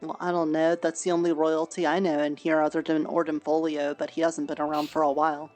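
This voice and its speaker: Low-voiced woman, soft and hesitant. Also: flat delivery, fairly quick, faint music behind. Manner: hesitant, restarts often, soft reassuring tone. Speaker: roleplay player running a farm. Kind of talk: casual in-character roleplay chat. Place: online virtual world voice chat.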